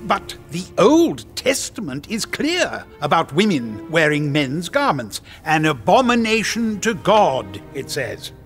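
Stern preachy cleric in audio drama, slow n pedantic, swoopy intonation, music faint behind. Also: male voice, fairly high pitch, wildly swooping pitch, fairly bright tone, exaggerated voice. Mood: disapproving. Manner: pointed, pedantic. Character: stern, disapproving, scripture-quoting male cleric.

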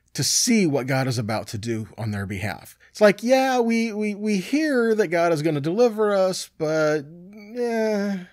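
Man, forties, Bible teacher, lively swinging intonation, conversational delivery, dry close sound. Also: fairly high pitch, no room sound. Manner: conversational, animated, frequent "right?" and "okay?" tags. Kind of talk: teaching sermon with scripture reading.

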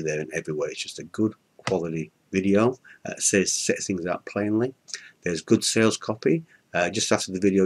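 Speaking directly into a webcam indoors in front of a curtain, an older Yorkshire man gives an unscripted product-review testimonial. His very low voice is slightly husky, and he talks in halting bursts, plugging gaps with ums and uhs and frequently restarting sentences.

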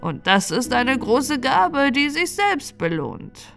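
A woman storyteller reading a bedtime fairy tale in an expressive, clearly phrased manner. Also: sits high, takes it slowly. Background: music.

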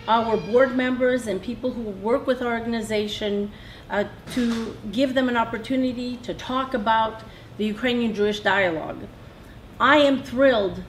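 A middle-aged woman giving warm welcoming remarks before a lecture, with "um"s between phrases. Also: fairly high pitch, slight background noise, poor audio. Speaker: guest speaker introducing the lecturer. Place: small lecture hall.

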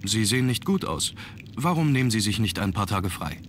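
An actor playing a composed, courteous young aristocrat in an adventure game, measured and formal. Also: male voice, on the low side, big pitch swings, slight background noise. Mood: composed, polite. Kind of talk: scripted adventure game dialogue.

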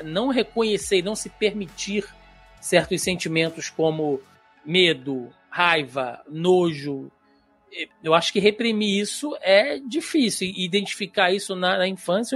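A man's voice: high voice, animated, normal speed, fairly bright tone, soft background music. A Brazilian man hosting an interview, chatting casually and thinking aloud with informal asides. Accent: Brazilian Portuguese. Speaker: show host.

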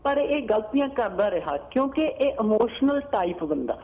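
A woman's voice: fairly high pitch, very animated, moderate pace, darkish tone. A woman calling in to a talk show, giving her opinion firmly but with hesitant fillers. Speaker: caller. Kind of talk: phone-in opinion. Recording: dull phone line.

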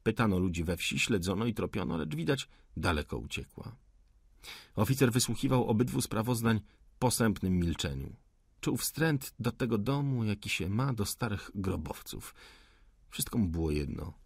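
A man narrates a classic novel in a measured, dramatic reading full of pauses. His voice sits low with a husky, breathy edge, and the close studio recording is dry with no room sound. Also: lively intonation, dry recording. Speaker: audiobook narrator. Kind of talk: literary audiobook narration.

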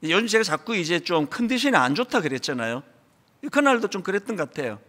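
High animated preaching man. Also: quick pace, long reverb tail. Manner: emotional, animated storytelling. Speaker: pastor. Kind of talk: sermon with storytelling. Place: church sanctuary.

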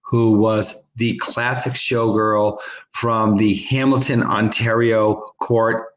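A man's voice: on the low side, level tone. A man co-hosting a charity livestream from home over a video call, chatting and calling auction bids over and over. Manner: chatty, rapid repetitive bid calling. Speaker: co-host, charity auction caller. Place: home room. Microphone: webcam on a video call. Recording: roomy echo.

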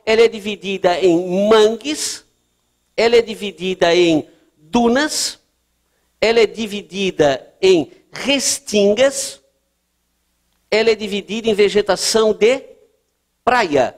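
A man's voice: high voice, a little slow. A man teaching geography for a test-prep course, explaining at a board and checking in often with his students. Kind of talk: lecture at a board.

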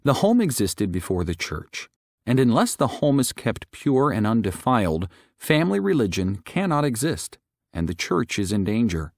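A man narrating a religious audiobook, reading scripted text in a measured, deliberate way. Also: medium pitch, big pitch swings, no room sound, clean studio sound.

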